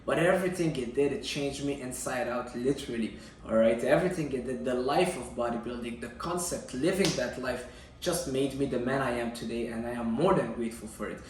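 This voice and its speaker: A young man from Syria talks in an emphatic, conversational way, telling a personal story to viewers. His voice sits at a middling pitch. It is heard from some distance in a strongly echoing room, with faint noise behind it. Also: fairly quick. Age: young adult. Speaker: bodybuilder telling his own life story.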